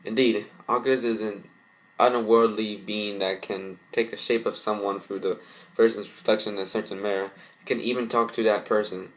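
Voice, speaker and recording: A man's voice: fairly low pitch, steady tone, normal speed, close to an everyday voice, rough recording. A man voicing a solemn, bookish young girl who explains the occult in a cartoon fan story.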